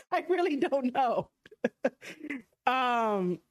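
Young new york woman on a livestream, kinda high voice, rambly and blunt, lots of ums. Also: very animated, very slow. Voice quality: frank, rambling, many fillers and restarts. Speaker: livestream podcast host. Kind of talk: casual livestream chat reading viewer comments.

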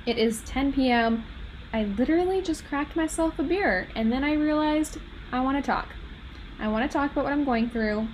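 A woman's voice: sits high, moderate pace, rough recording. A young woman with a Minnesotan American accent hosting a podcast as a candid, chatty, rambling and self-deprecating monologue. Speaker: podcast host. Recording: noticeable background noise.

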